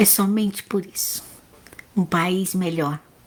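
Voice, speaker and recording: A woman with a medium pitch and a somewhat breathy voice speaks at a very slow pace in a monotone, flat intonation. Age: 60s. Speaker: preacher. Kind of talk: sermon. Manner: halting.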